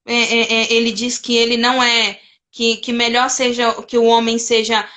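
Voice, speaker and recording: A woman's voice: fairly high pitch, monotone, normal speed, bright, forceful tone. A woman in a casual devotional chat on a video call, retelling scripture with many restarts. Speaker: participant in a Bible discussion.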